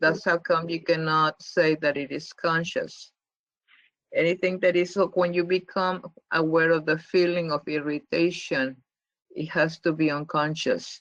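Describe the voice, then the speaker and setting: With a non-native accent, this speaker moves along at a fairly slow pace. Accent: has a noticeable foreign. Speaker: class teacher. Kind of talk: class discussion. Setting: class group session.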